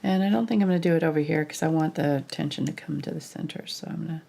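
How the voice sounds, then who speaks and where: Congested, husky low-voiced woman teaching painting. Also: fast talker, dark tone. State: sick with a cold, sniffly, audible breathing. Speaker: painting instructor, live show host. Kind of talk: casual live tutorial commentary.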